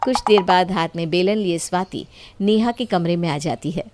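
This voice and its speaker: A woman's voice: fairly low pitch, normal speed, background noise. A woman reading a scripted story as the storyteller.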